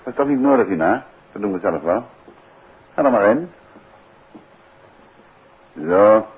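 An actor playing a calm, courteous, secretive married detective in a 1950s Dutch radio play, with a Netherlands accent. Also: male voice, on the low side, unhurried. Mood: teasing, evasive. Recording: tinny, noisy 1950s radio recording.

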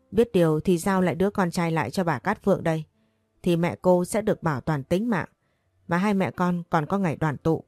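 A woman's voice: fairly low pitch, darkish tone, dry recording, clean studio sound, lightly acted. A woman voicing a menacing middle-aged male gang boss in a storybook, speaking coldly and threateningly. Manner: cold, threatening.

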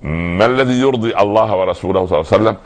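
A man's voice: on the low side, very fast. A man preaching a sermon, pressing listeners with rhetorical questions that build in emphasis. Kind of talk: religious sermon.

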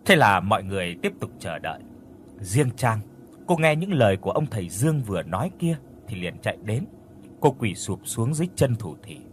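A man's voice: lowish voice, very animated, fairly quick, slight background noise. A man narrating a ghost story in a dramatic storytelling manner.

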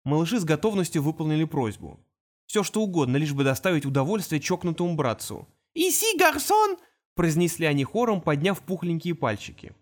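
A man narrating an audiobook in an expressive storytelling manner. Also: fairly high pitch, a little fast. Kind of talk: scripted narration.

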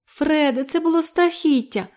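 A woman's voice: high voice, lively intonation, moderate pace, voice pushed up. A woman voicing a capricious young actress who whines, bosses people around and shrieks. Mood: terrified. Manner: whiny, bossy, shrieking.

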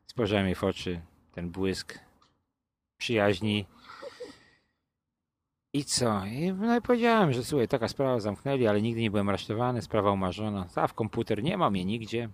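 A man's voice: lowish voice, moderate pace, long pauses. A man telling long, crude, colloquial stories in a casual podcast chat, with joking asides. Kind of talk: casual anecdotal storytelling.

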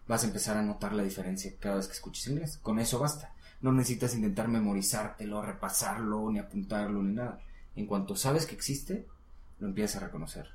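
A man's voice: on the low side, darkish tone. A man with a Mexican Spanish accent teaching English one-on-one, patient and encouraging, often checking in with the learner. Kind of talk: casual one-on-one lesson. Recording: roomy echo.

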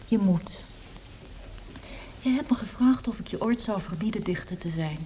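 An actress playing a down-to-earth, questioning wife in naturalistic radio play dialogue, matter-of-fact in manner. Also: female voice, medium pitch, animated, moderate pace, dark tone, slight background noise, lightly acted. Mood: concerned, serious. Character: probing, down-to-earth wife of a troubled poet.

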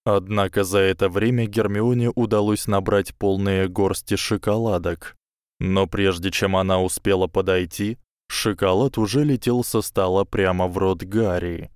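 A man narrating a fantasy novel as an audiobook in slow, measured storytelling. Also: low voice, steady tone, a little mellow, clear, resonant tone, dry recording, clean studio sound. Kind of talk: scripted narration.

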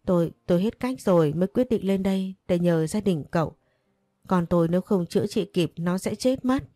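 A woman's voice: fairly low pitch, animated, fairly quick, mellow, no echo, studio quality, natural voice. A woman voicing a desperate older mother who pleads tearfully in a story. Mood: pleading. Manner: begging, sobbing pleas.

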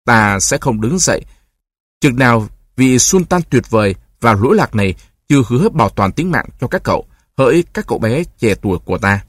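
A man's voice: medium pitch, big pitch swings, fairly quick, breathy edge, no echo, studio quality. A man voicing a fearful, lamenting old genie. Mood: pleading. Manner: flowery, lamenting speech. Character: anxious old male genie, pompous, fearful.

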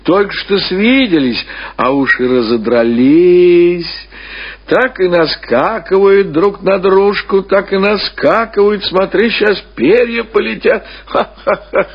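Man acting chiding, high-voiced old grandmother. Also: husky, heavily acted. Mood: playful chiding. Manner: measured, cajoling, homely sing-song. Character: old grandmother, chiding, coaxing, falsely playful peacemaker. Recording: dull old radio recording.

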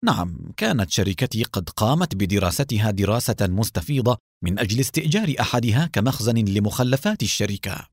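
A man's voice: on the low side, animated, a little fast, no echo, studio quality. A man voicing a helpful male engineer in a storybook reading.

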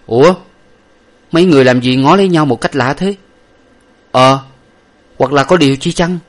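A man voicing an impatient young gentleman, just returned from abroad, who speaks loudly and demands answers. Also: medium pitch, normal speed, pitched above the performer's own voice, natural voice. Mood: demanding, angry. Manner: loud, demanding. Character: hot-tempered young gentleman, returning scholar.

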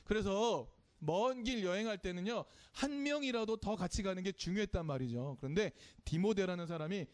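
A man with a high voice tells a children's sermon in church. His storytelling is plain and friendly, and he keeps turning to the congregation with questions. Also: expressive, normal speed, hardly any pauses. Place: church service.

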